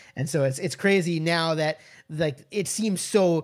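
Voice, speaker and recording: This man has a plain, everyday voice with a fairly high pitch, an American accent and ordinary pitch variation, heard in a very clean recording with a silent background. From New York. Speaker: podcast co-host. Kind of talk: casual chat.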